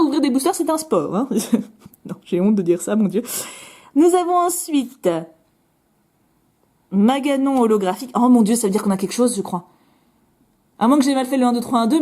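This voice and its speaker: A bubbly French woman chats away as she opens card packs, her fairly high voice swooping up and down. She jokes at her own expense and throws in quick asides. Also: a little mellow. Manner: chatty, bubbly, self-mocking, quick asides. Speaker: card-opening video host. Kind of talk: casual chat while opening cards.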